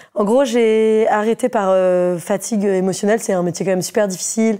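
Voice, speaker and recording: A woman's dark, mellow voice at a fairly quick pace, medium in pitch with fairly even intonation. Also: very clean recording, silent background. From France, Paris. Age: 30s. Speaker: comedian and influencer. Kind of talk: casual interview chat. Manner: fast.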